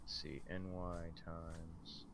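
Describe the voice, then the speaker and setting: A man's voice: low voice, little pitch movement, slow, creaky, noisy background. A man chatting as a guest on a livestream, hesitant and full of fillers. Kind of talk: casual chat.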